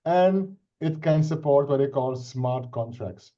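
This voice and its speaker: A man's voice: medium pitch, expressive, measured pace, dark tone. A middle-aged man from Suriname with a Dutch accent, a native Dutch speaker, casually introducing himself and explaining a project on a video call, earnest and full of restarts and "right?" checks. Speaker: IT consultant presenting a crypto project. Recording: dull lo-fi video call audio.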